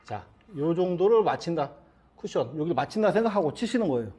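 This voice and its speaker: A man's voice: a little high, big pitch swings, fast, mellow, slightly rough. A middle-aged man teaching billiards at the table, explaining each shot step by step and asking his students questions as he goes. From South Korea. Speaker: billiards instructor. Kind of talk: demonstration lesson.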